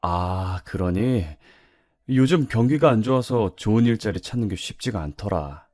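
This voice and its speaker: A man voicing a kind high school homeroom teacher reassuring a former student, in a read-aloud story. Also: animated, moderate pace, darkish tone, dry recording, studio quality. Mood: gentle.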